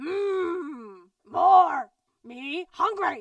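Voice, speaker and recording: The voice is a put-on character voice at an extremely high pitch. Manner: chewing, primitive speech.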